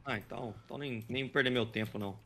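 A man's voice: mid-range voice, quick pace, sharp tone. A man with a Brazilian accent, a player joking around with friends during a gaming session, full of slang. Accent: Brazilian Portuguese. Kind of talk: casual gaming banter.

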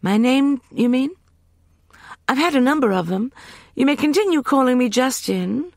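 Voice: high voice, lively intonation, moderate pace, vocal fry, no room sound, studio quality, pitched above the performer's own voice. A narrator voicing an imperious, vengeful young woman with a light, piercing, scornful voice.

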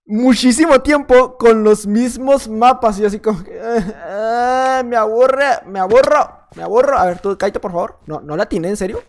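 A young man with a Mexican accent gives playful, chatty gameplay commentary, repeating his phrases as he plays. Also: very high voice. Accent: Mexican Spanish. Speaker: gaming YouTuber.

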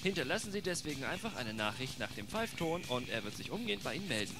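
A man's voice: a little high, very animated, fast talker, over music. A man speaking a recorded answering machine greeting in a chatty, casual way.

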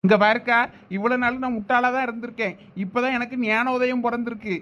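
Guy doing a complaining brother, thoothukudi accent, really high-pitched for a man. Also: steady tone, fast, bright, forceful tone, highs cut off. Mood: insistent. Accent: Thoothukudi Tamil. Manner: insistent, complaining. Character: aggrieved middle-aged brother demanding his property. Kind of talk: village comedy skit acting.

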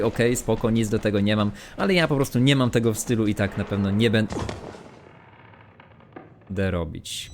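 A man commentating live on a horror game he is playing, muttering and swearing to himself and his viewers. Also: fairly low pitch. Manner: muttering, swearing, self-talk. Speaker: streamer. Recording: noisy game stream audio.

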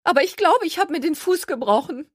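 A woman voicing a whiny, dramatic young woman who complains loudly. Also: animated, brisk, no echo, clean studio sound. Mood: anguished. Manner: complaining, high and loud.

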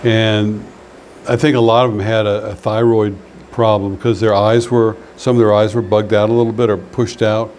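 A man's voice: on the low side, level tone, normal speed, darkish tone, slight background noise. A man in his sixties, a former cruise ship entertainment host, telling wry stories to camera in a chatty, casual way. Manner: chatty and wry, with frequent fillers. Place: small room indoors by a window.

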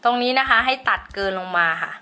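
A young woman hosting a sewing tutorial, explaining each step patiently in a chatty way, her voice a little hoarse. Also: a little high, fast, bright, forceful tone, faint music behind. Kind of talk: step-by-step craft instruction.

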